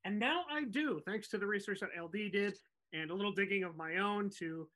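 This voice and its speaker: Male podcast co-host, American, bright clear-cut tone, relaxed conversational style. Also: high voice, fairly quick. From New Jersey, US. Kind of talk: casual chat.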